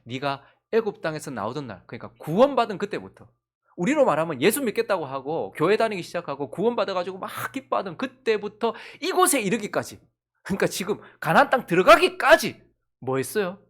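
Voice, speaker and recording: A woman's voice: mid-range voice, sing-song, fairly quick. A woman pastor with a Gyeongsang accent preaching a sermon, asking the congregation one rhetorical question after another. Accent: Gyeongsang Korean.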